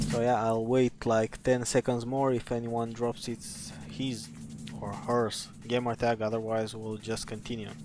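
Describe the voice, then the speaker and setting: Speaking with a Romanian accent, a man uses medium pitch and fairly even intonation at a fairly slow pace. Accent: Romanian accent, similar to Russian. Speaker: gaming live streamer. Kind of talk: live stream commentary while gaming. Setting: live stream. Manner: hesitant, many uh fillers.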